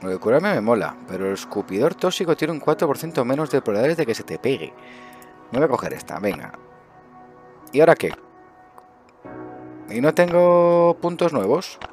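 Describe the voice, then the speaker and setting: A man's voice: mid-range voice, sing-song, normal speed, pauses often, darkish tone, faint music behind. A middle-aged man with an accent from Spain giving casual, improvised gameplay commentary, chatting and thinking aloud with muttered questions to himself. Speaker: gaming video host. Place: indoors at a desk, webcam view.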